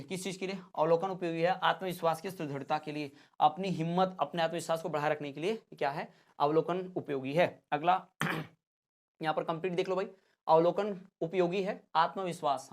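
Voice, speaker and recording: A man teaching an exam-prep class. He reads out each question, gives the answer and says it again so it sticks. His explaining is plain and steady, like a classroom drill. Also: a little high. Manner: asks a question, then answers and repeats it.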